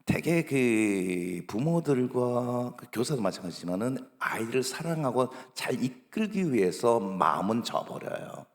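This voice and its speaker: A middle-aged male pastor preaching a sermon, dropping to hushed whispers and rising to loud, pleading emphasis. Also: lowish voice. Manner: acts out parents scolding children. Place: church sanctuary. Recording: long church hall reverb.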